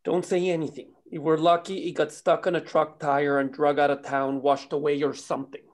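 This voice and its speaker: A man's voice: on the high side, level tone, brisk, lightly acted. A man reading the part of a wry, cautious small-town man in a drama table read. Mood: alarmed, urgent.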